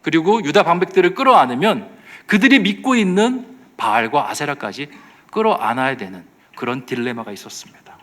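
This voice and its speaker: A man preaching a sermon as pastor at a midweek church service, with emphatic surges and drops in loudness. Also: fairly high pitch, sing-song, fairly quick.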